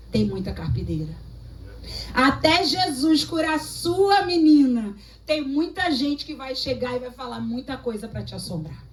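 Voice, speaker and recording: A woman's voice: fairly high pitch, darkish tone. A Brazilian woman pastor preaching a sermon, telling stories and acting out dialogue as she exhorts the congregation. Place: church hall. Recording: echoey church hall, mic at a distance.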